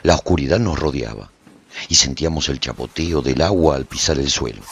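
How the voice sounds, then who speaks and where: A man's voice: rumbling low, brisk, slight background noise. An actor playing a haunted warrior who narrates his post-apocalyptic story in a solemn, theatrical, intense way for a radio drama. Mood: solemn, brooding. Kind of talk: dramatic first-person scripted narration.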